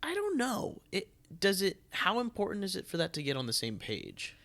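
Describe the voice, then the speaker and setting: Male podcast host, conversational and animated, with widely swinging intonation and frequent restarts. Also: high voice, moderate pace, gravelly. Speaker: podcast host, theatre producer.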